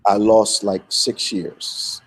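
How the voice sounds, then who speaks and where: An older man, a bishop, telling personal reflections conversationally in a measured, emphatic way. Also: fairly low pitch, little pitch movement, low-quality recording. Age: middle-aged or older. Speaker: bishop, guest.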